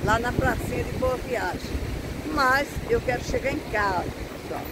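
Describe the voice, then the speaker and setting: A woman's voice: a little high, normal speed. A woman, chatting casually to viewers while walking along a seaside promenade at night, holding the camera at arm's length. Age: 60s. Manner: chatty, pointing things out to viewers while strolling. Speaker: vlogger. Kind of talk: casual walking vlog narration. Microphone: camera held at arm's length. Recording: loud wind and traffic noise outdoors.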